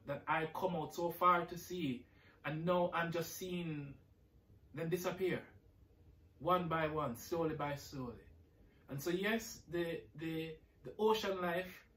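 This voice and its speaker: A man's voice: fairly high pitch, a bit bright. Jamaican man, roomy distant recording. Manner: rambling, repeats words and restarts. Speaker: reef conservationist answering interview questions. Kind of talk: casual recorded answers, reading questions aloud.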